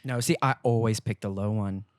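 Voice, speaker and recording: A man's voice: fairly low pitch, fairly even intonation, a little fast, a little mellow, clear, resonant tone, dry recording. A young man from Hong Kong, a guest comedian in casual podcast chat, self-deprecating and prone to hesitant restarts. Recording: dry close podcast mic.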